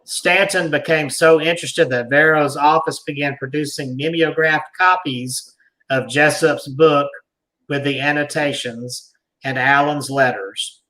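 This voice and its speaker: A man hosting a talk, reading an article aloud deliberately, with emphatic pauses and asides like a storyteller. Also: on the high side, pushed and bright, poor audio.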